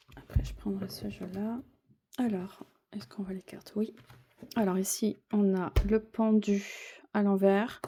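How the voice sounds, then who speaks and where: Speaking at a very slow pace with long, frequent pauses, a woman has a medium-pitched, dark, mellow, somewhat breathy voice, flat monotone intonation and big swings in loudness. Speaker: tarot card reader. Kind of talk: tarot reading for viewers. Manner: hesitant, many fillers.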